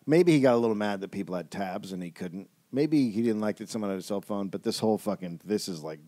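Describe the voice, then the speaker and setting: A man's voice: on the low side, fast, mellow, no echo. A man co-hosting a comedy podcast, reading quotes aloud and answering them with exasperated, profane comments. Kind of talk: casual comedic banter.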